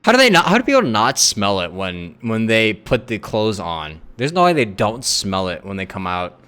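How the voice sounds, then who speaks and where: Low-voiced young guy streaming a game. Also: big pitch swings, moderate pace, pushed and bright, clear, resonant tone. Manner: slangy, joking. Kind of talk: casual live game commentary. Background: game music.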